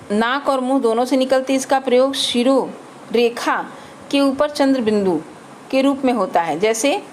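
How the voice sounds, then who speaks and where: This grammar lesson comes from a woman whose voice sits somewhat high. She goes very slowly, pronouncing letters and example words one by one, while faint noise lingers in the background.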